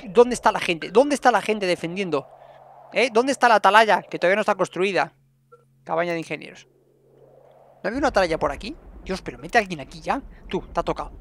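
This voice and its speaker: A man's voice: high voice, animated, quick pace, a bit bright, slight background noise. A man giving casual let's play commentary, chatty and talking to his game characters. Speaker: gameplay streamer.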